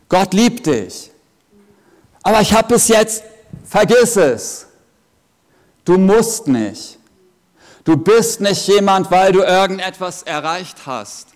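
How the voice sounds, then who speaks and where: Emphatic preacher in a big echoing hall. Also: male voice, high-pitched. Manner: emphatic, earnest and joking in turns. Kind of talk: sermon. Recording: long reverb of a big hall.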